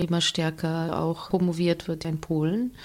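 A woman speaks at a moderate pace. She has a normal speaking voice with a fairly low pitch. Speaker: journalist and commentator. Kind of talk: radio discussion programme. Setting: studio.

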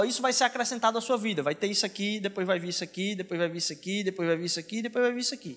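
This man's bright, sharp tone comes through on a very clean recording where the background is silent. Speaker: pastor. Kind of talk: sermon.

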